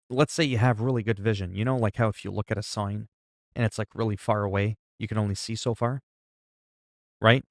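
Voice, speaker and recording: This lowish male voice belongs to a man in his forties who livestreams, chatting loosely and with plenty of swearing as he rambles through explanations built on everyday examples. The sound is studio quality and echo-free.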